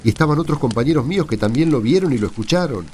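A man's voice: mid-range voice, expressive, racing, darkish tone, slight background noise, lightly acted. A man with an Argentine accent playing an earnest, assured apostle testifying to friends in a radio play. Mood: solemn, earnest. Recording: music under the voice.

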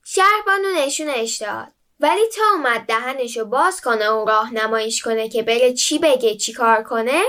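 A woman hosting a children's story program and narrating in a clear, friendly way. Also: fairly high pitch, hardly any pauses, pushed and bright. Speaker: show host and storyteller.

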